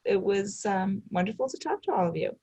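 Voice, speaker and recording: A woman's voice: mid-range voice, animated, brisk, dark tone, breathy edge, dry recording. A woman who teaches French and Spanish, giving a back-to-school night overview with frequent "um" fillers. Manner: many "um" fillers, earnest.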